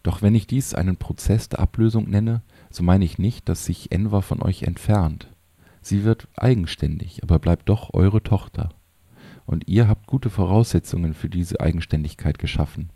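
A man voicing a wise older sage in an audiobook, who speaks softly and with understanding. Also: deep voice, normal speed, husky, no echo. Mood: gentle. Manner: soft, understanding.

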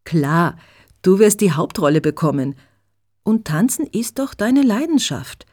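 A woman's voice: medium pitch, big pitch swings, unhurried, darkish tone. A woman voicing a cheerful young woman who patiently explains things to a friend, in a storybook reading. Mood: friendly.

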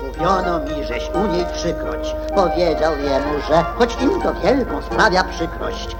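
Fussy rabbit herald, very lively. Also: female voice, fairly low pitch, a little slow, loud music behind the voice. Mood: formal. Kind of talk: theatrical children's audio play.

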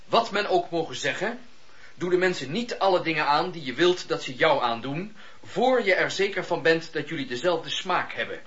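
An actor playing a stern, righteous religious leader in a historical radio drama, preachy and emphatic. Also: male voice, a little high, expressive, normal speed, a bit bright. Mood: indignant. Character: stern, indignant male religious leader of old England. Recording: muffled lo-fi radio drama recording.

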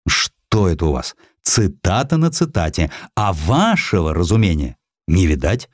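A man acts out a dry, pedantic magazine editor in a historical audiobook. He is tight-fisted and indignant, scolding with lively, swooping intonation. The sound is close and dry. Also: low voice, a little slow, no room sound, full character voice. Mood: stern reproach.

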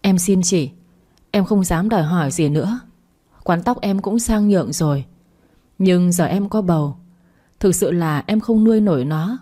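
A woman's voice: fairly low pitch, moderate pace, pauses often, warm tone, natural voice. A woman reading a story aloud, voicing a young pregnant mistress who begs and pleads tearfully. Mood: pleading. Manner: begging, tearful.

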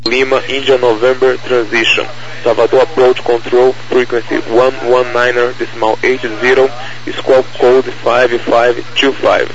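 A man reading aviation clearances in a procedural, monotone way over radio. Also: medium pitch, measured pace. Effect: radio transmission. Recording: dull, faintly noisy aviation radio.

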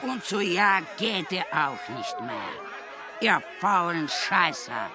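A man playing a fierce, protective Native American warrior parent in a radio drama, with slow, emphatic delivery. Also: high-pitched, sing-song, full character voice. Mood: scornful rage. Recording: music under the voice.

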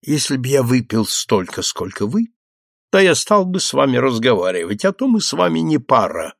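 A man's voice: medium pitch, very animated, normal speed, vocal fry, no echo, clean studio sound. A man reading aloud and voicing a sullen, sober Polish man who answers curtly and grumbles. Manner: grumbling, curt.

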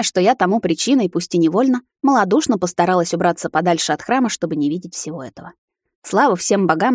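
Brisk woman reading a fantasy novel. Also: lowish voice, breathy edge, dry recording, studio quality. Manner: brisk, expressive storytelling. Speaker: audiobook narrator. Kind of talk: first-person fantasy novel narration.

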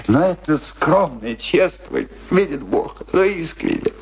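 An actor playing a pompous, sentimental middle-aged island commandant in a radio play, with a theatrical, self-important manner. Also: male voice, on the high side, lively intonation, moderate pace, breathy edge, full character voice. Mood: excited, gushing. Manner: theatrical, self-important, swinging between gushing and bitter.

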